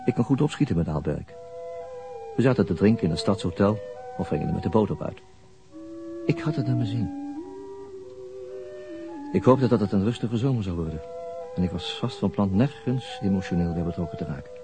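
An actor playing a weary, brooding middle-aged police detective in a radio drama, restrained and husky. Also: male voice, deep voice, brisk, long pauses, over music. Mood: weary, resigned. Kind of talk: radio drama dialogue and inner narration.

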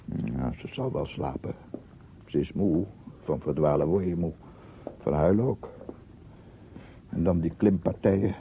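An actor playing a brooding, solitary man musing to himself in a halting radio play monologue. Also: deep voice, gravelly, a little hiss or hum. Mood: weary, musing. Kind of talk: Dutch radio play acting. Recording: muffled lo-fi old radio recording.

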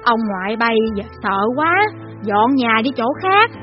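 A woman plays a plain-spoken mother with a Southern Vietnamese accent, telling her children old ghost stories in an earnest way. Her voice is fairly high. The recording is a little dull, with soft music behind it. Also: sing-song, measured pace. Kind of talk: audio drama storytelling.

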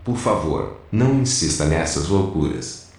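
Man as low-voiced cautious rebel peacemaker. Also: expressive, vocal fry, darkish tone, exaggerated voice. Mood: cautious, placating. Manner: measured, placating. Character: weary, cautious male peacemaker among rebels. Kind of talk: audio drama acting. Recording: very echoey space.

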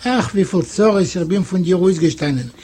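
A man's voice: high-pitched, animated, a little slow, a little mellow, slightly rough, heavily acted. A man voicing a fretful mother who scolds her son with sighs in a spoken storybook. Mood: scolding.

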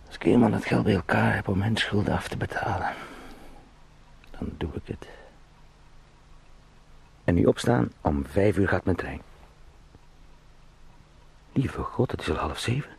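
An actor playing an anxious travelling salesman in a radio drama, muttering haltingly and repetitively to himself in a gravelly voice. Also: fairly low pitch, exaggerated voice. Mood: anxious, hurried resolve.

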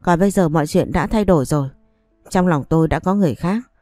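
A blunt, fed-up young husband, cold and reproachful toward his wife, as a woman narrator voices him in an audiobook. The voice sits low and mellow, close and dry. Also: fast, dry recording, soft background music, close to an everyday voice. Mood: weary. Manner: cold, accusing, flatly reproachful. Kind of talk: audiobook story reading.

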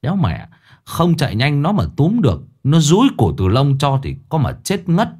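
A man telling a ghost story in a lively, earthy way. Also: a little high, normal speed, slightly rough.

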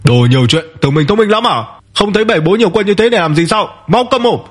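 Bullying officer, voiced by a man, high, barking and contemptuous. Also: animated, quick pace, soft background music. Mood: scornful. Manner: scornful barking. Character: arrogant, bullying male army officer.

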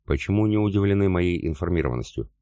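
A man's voice: deep voice, expressive, quick pace, creaky, mellow, dry recording, studio quality. Man reading as a cool, probing German officer.

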